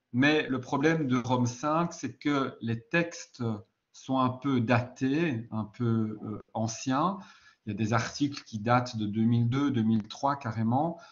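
A man's voice: mid-range voice, muffled recording. A man from Belgium with a Belgian French accent, giving a conference presentation about a textbook, explaining at length with many hesitations and self-corrections. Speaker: university lecturer presenting a textbook.

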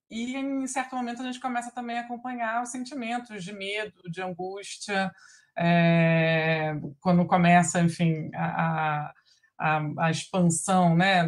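A Brazilian woman in her forties, a biographer, talking thoughtfully from home over a video call, pausing often and restarting her sentences. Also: fairly low pitch. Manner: thoughtful, halting, many fillers and restarts. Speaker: biographer guest. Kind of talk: recorded video call conversation. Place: home living room with lamp. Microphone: laptop webcam video call.

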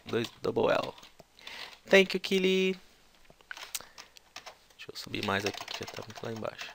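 A man's voice: lowish voice, little pitch movement, fast talker, gravelly, fairly bright tone, a little hiss or hum. Brazilian man teaching English, slangy. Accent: Brazilian Portuguese. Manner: slangy, chatty, breaks into English imitations. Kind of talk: casual explanatory lesson.

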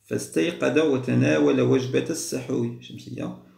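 A man teaching a primary school Arabic lesson, patiently repeating words slowly for young pupils. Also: mid-range voice, steady tone, creaky, darkish tone, echoey room. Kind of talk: explaining a second-grade Arabic test.

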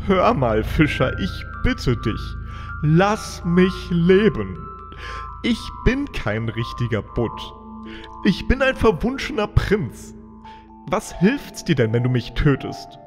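A man voices a magical talking flounder in a storybook radio play. His tone rises and falls with wide melody, unhurried and solemn. The voice floats in a long, hall-like reverb with music beneath. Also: a little high, big pitch swings. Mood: pleading. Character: talking flounder, enchanted prince, calm and solemn.

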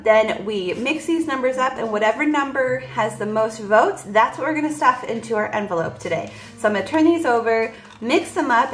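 Her fairly high-pitched voice sounds reverberant as this budgeting vlogger in her forties counts money at an indoor table and chats about her budget. The camera looks down on the table, showing just her hands.

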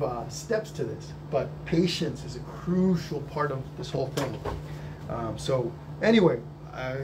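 Male painting instructor, sniffly, relaxed and encouraging, off-camera mic with noticeable background noise. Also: fairly high pitch. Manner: relaxed, encouraging, reads out viewer comments. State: sniffly, slight cold. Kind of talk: live-streamed painting lesson. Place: indoor art studio.

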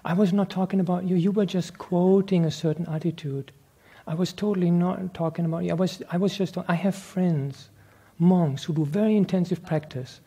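Brief: husky, higher-pitched male teacher, earnest lecture Q&A, laughs easily. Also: fairly even intonation, moderate pace, mellow. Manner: earnest and explanatory, laughs often. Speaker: meditation teacher answering questions. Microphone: handheld microphone passed around the room.

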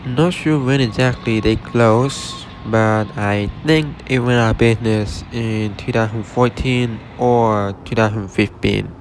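A man vlogging as he walks through an empty shop, giving plain, low-key commentary while filming on a handheld phone. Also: steady tone, unhurried, few pauses, slight background noise. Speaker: vlogger touring empty buildings. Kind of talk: casual walkthrough narration. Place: empty store and parking lot.

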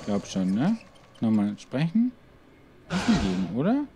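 A man's voice: medium pitch, wildly swooping pitch, unhurried, heavy background noise. Chatty man narrating a game. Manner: chatty, talks to his game characters, muttered asides and exclamations. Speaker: let's play host. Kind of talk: gaming commentary.

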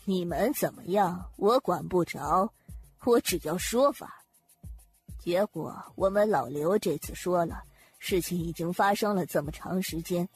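A woman playing an imperious, cold and indignant wife of a powerful man in an audiobook drama, haughty, accusing and sarcastic. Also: on the low side.

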